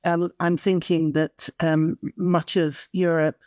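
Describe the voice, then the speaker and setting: A woman hosting a news interview, asking probing questions with soft hesitations. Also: lowish voice, level tone, slow pace, no echo, studio quality. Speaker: interviewer, host.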